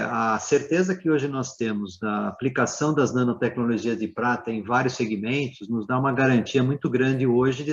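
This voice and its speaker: A man speaking as a dentist guest, explaining slowly with many fillers and tag questions. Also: medium pitch, lo-fi sound. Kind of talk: live Q&A explanation.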